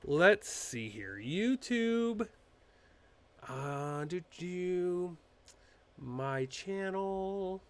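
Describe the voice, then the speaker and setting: Lively talk-show host man. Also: high-pitched, very slow. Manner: animated, mocking impressions, frequent fillers and restarts. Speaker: political commentary host. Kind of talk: casual live-stream chat.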